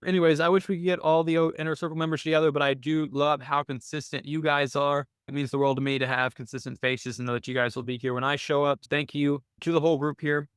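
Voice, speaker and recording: A man's voice: on the high side, little pitch movement, fast, hardly any pauses, a bit bright, smooth, no echo. A man hosting a weekly live call, talking casually and thinking aloud with frequent "right?" tags and small restarts, close to his mic. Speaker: host of a weekly trading call.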